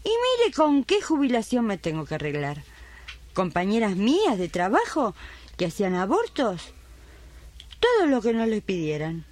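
A woman's voice: medium pitch, huge pitch swings, moderate pace, darkish tone, no echo. A woman playing an elderly retired midwife, devout and plain-spoken, in a radio drama. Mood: indignant. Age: older.

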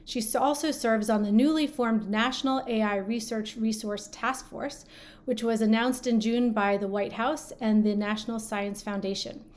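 A woman hosting an interview show, reading a guest introduction and asking questions in a measured, scripted way. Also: on the high side, steady tone. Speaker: podcast host.

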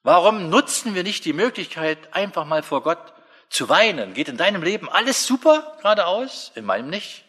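A middle-aged man preaching a sermon in a lively, humorous way, speaking straight to his listeners. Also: high voice, moderate pace, husky. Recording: long hall reverb.

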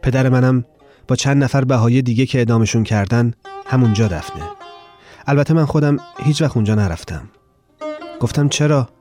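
A man reads a first-person story in an earnest, reflective tone, giving the characters' lines his own plain voice. His pitch sits in an ordinary middle range. Faint music plays underneath. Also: mellow. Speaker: narrator.

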